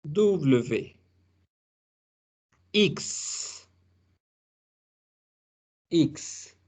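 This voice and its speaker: A man teaching French pronunciation to Spanish speakers, slowly and patiently repeating each sound for his students. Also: on the high side, lively intonation, darkish tone. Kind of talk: recorded class lesson.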